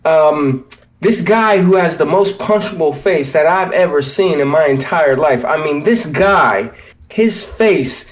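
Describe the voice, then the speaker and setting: High-voiced male podcast co-host, profane and heated, casual chat.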